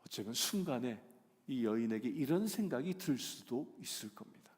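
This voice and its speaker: Male pastor, sermon in a church, swinging pitch, loud emphatic build-ups, long reverb. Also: big pitch swings, moderate pace. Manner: swells to loud emphatic climaxes, asks the congregation questions. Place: church sanctuary.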